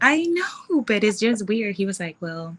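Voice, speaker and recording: The speaker talks at a moderate pace with a Nicaraguan accent. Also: woman. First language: Spanish. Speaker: podcast guest, social media influencer. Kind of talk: casual interview chat.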